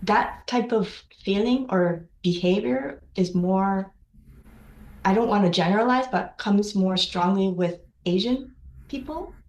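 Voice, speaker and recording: A woman's voice: mid-range voice, unhurried, a little mellow, echoey room, rough recording. A Japanese woman asking questions on a webinar call, hesitant, with many fillers and restarts. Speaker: webinar participant. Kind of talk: casual discussion in a webinar.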